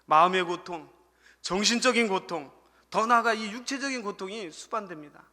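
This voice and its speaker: A man's voice: high-pitched, moderate pace, bright, forceful tone. A man preaching a Sunday sermon as associate pastor, often calling out to the congregation and telling a humorous story. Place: church sanctuary. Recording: church hall reverb.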